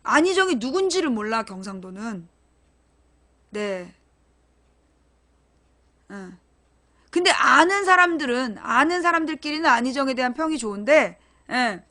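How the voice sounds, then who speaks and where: High-voiced woman hosting blunt political talk. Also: expressive, unhurried, long pauses, pushed and bright. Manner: talks directly to chat viewers, asks them questions; blunt and emphatic, informal speech. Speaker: political live-stream host. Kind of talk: live-stream political commentary.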